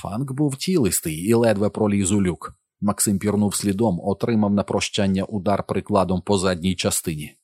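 A man reads an audiobook aloud in a steady, even manner. His voice sits very low, and the recording is close and dry with no room sound. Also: normal speed, no echo. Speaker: narrator. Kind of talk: audiobook narration.

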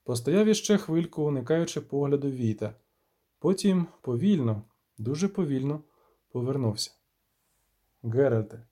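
Guy reading fantasy audiobook, very dark mellow tone, bit high. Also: animated, moderate pace. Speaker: audiobook narrator. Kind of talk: scripted fantasy narration.

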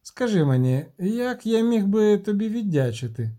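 A man's voice: high-pitched, big pitch swings, moderate pace, mellow, voice pushed up. A man voicing a cheerful, shrewd halfling merchant who counts out figures precisely. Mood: calculating.

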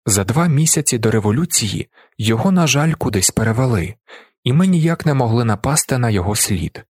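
A man reading a literary novel aloud as an audiobook narrator, with expressive delivery. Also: mid-range voice, a little fast, no room sound, studio quality.

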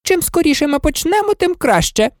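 A woman voicing the Red Queen, an imperious and impatient queen who scolds and commands, in a storybook reading with a high, loud voice. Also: very animated, a little fast, no echo, clean studio sound. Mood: scolding. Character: bossy, imperious older queen.

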